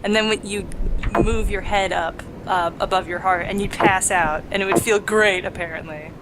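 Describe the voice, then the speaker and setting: A woman's voice: mid-range voice, steady tone, moderate pace, heavy background noise. A woman hosting a let's play with casual, jokey, sweary game commentary.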